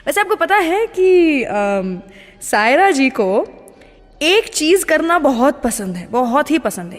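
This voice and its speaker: A woman with a high voice hosts a radio show, telling stories conversationally in Hindi sprinkled with English phrases. She sounds like she's in a large hall, with music playing beneath her.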